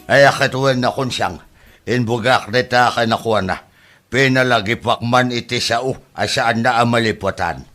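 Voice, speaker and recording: A man's voice: mid-range voice, moderate pace, fairly bright tone, soft background music, close to an everyday voice. A man with an Ilocano accent playing a grown son who lectures and scolds his family in a comedy drama. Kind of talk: scripted drama acting.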